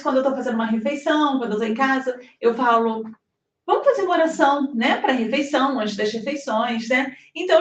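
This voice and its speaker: A woman with a fairly high voice gives a lively devotional talk, peppering it with tag questions and acted-out exchanges. Her voice carries a roomy echo, and she sounds a little distant from the microphone. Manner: animated, tag questions, acts out dialogue. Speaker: spiritist speaker. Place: hall in New Jersey.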